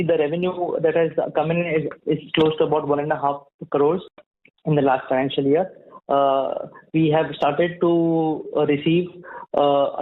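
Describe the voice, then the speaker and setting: A muffled, narrow phone line carries a higher-pitched Indian man's voice. He speaks as a company executive answering investors, semi-formal and halting, with frequent repeated words. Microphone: conference call line.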